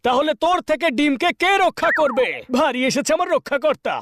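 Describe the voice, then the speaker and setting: A man's voice: extremely high pitch, a little fast, a bit bright. A man voicing a self-important cartoon animal who lectures and scolds with scepticism. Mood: scornful. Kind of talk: dubbed cartoon comedy acting.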